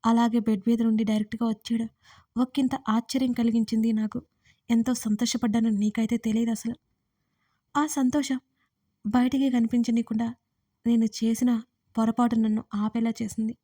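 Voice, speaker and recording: A woman voicing a tender young man in love, soft and steady. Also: on the high side, normal speed, pauses often, no room sound, clean studio sound, lightly acted.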